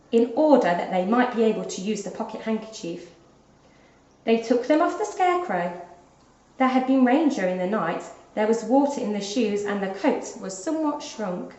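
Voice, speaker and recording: Animated woman reading in a roomy space. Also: a little high. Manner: animated, deliberate storytelling. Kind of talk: expressive children's storybook narration. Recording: dull, roomy lo-fi recording.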